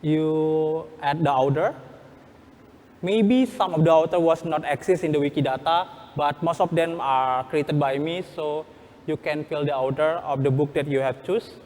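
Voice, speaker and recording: A man with an Indonesian accent speaks in a fairly high voice, his words ringing in a reverberant hall. He teaches step by step as a workshop presenter, in halting English that circles back and rephrases. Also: a little mellow. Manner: halting, repeats and rephrases in non-native English.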